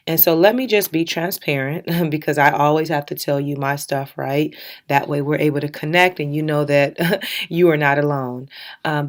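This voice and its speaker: A low-pitched woman in her thirties talks straight to her listeners on a self-help podcast. Her voice carries a slight morning rasp, and she speaks with candid, encouraging warmth, breaking into light laughs. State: slightly raspy from early morning. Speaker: podcast host.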